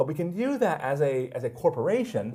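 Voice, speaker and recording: This man's voice is somewhat breathy and has a dark, mellow tone, with ordinary pitch variation. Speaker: tech trainer. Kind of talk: live webinar tutorial. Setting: live online session. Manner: fast.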